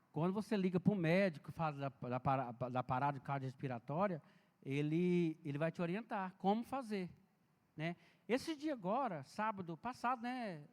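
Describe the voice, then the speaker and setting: A man giving an informal seminar talk on health and safety in a church, chatty and storytelling, talking straight to the audience. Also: sits high. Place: large church hall. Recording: long reverb in a big church hall.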